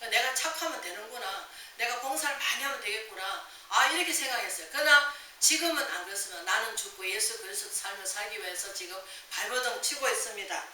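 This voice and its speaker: A woman pastor delivers an emphatic sermon, driving her points home with rhetorical questions. Her voice is very bright and sharp. It rings through a reverberant church hall, picked up from some distance with faint hiss underneath. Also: mid-range voice, animated, a little fast, hardly any pauses. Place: church sanctuary.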